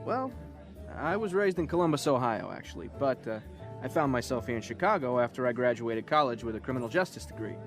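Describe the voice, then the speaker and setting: An actor playing a cocky, chatty undercover cop in an audio drama, telling stories in a breezy, boastful way. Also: male voice, medium pitch, lively intonation, fast talker, soft background music, lightly acted. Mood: storytelling.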